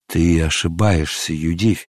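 A man's voice: low voice, measured pace, a little mellow, no room sound, studio quality, voice pushed down. A man reading aloud and voicing an earnest young man comforting his beloved. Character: hot-tempered man, tender toward his beloved.

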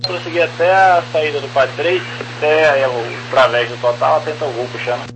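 A man's voice: a little high, steady tone, normal speed. Brazilian male air traffic controller on noisy radio. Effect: radio transmission. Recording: humming, noisy aviation radio.

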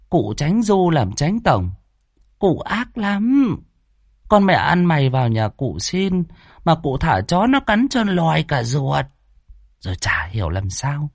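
A man voicing a chatty old village woman who gossips about the past in a high, lively voice. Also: no echo, clean studio sound, full character voice.

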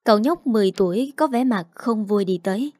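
A woman reading a dramatic story aloud, narrating in a steady scripted style and voicing every character herself. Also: medium pitch, fairly quick, dry recording, studio quality.

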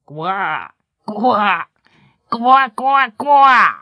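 A woman imitating croaking frogs in a storybook reading, with short repeated calls. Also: a little high, animated, drawn-out words, pushed and bright, no room sound, heavily acted. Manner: repetitive croaking.

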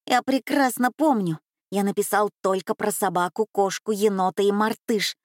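A woman's voice: mid-range voice, moderate pace, no echo, close to an everyday voice. Woman doing an eager, fretful little boy. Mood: sulky. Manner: stammering, pleading, excitable. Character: anxious eager young boy.

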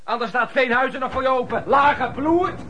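High-voiced indignant young merchant, noisy recording. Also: male voice, normal speed. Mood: furious. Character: young male merchant, proud, indignant lodger. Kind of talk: radio drama acting. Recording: noisy old radio play recording.

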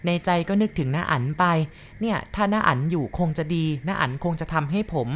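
A woman reading a ghost story aloud in steady, even storytelling. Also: lowish voice, brisk, slight background noise.

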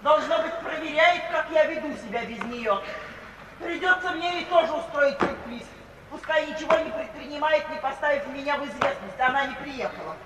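An actress playing a frank, practical, self-possessed young woman graduate in a 1950s radio play, speaking briskly and bluntly. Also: sits high, recorded from a distance, natural voice. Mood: dry, matter-of-fact. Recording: echoey hall, old 1950s radio recording, hissy.

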